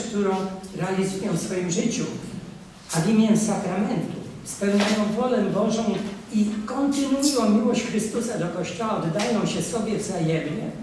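With a high voice, an older man who is a priest delivers an emphatic, exhorting talk on marriage from a conference room table, alternating loud appeals with quiet asides. Picked up by a table mic and a camera across the room, he sounds distant, the room is very echoey, and there's faint noise.

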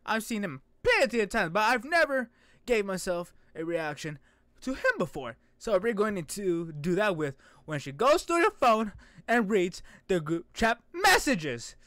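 A man's voice: sits high, big pitch swings, measured pace, fairly bright tone, dry recording. A young man hosting a reaction video with casual, playful, joking and exclamatory commentary. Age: young adult. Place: small indoor room.

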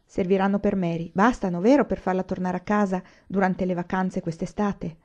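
A woman's voice: medium pitch, moderate pace, highs cut off, close to an everyday voice. A woman voicing an eager, earnest teenage schoolteacher girl in a read-aloud story. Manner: bright, earnest, excited.

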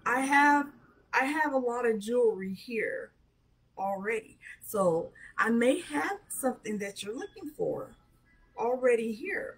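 A middle-aged woman with a hoarse voice, chatting casually as she shows jewelry to a webcam in a small room. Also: on the high side, slight background noise, rough recording. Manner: chatty, slow, showing items up close. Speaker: jewelry seller. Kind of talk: live sales show chat. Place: small decorated room indoors. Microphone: webcam at arm's length.

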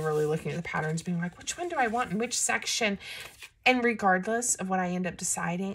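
A woman talking through a paper craft tutorial in a casual, chatty way, her voice a bit raspy from a coming cold. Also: fairly low pitch, fairly bright tone, slight background noise. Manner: chatty and self-deprecating, talks while working. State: slightly raspy from a starting cold. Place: crafting desk indoors, filmed from above.

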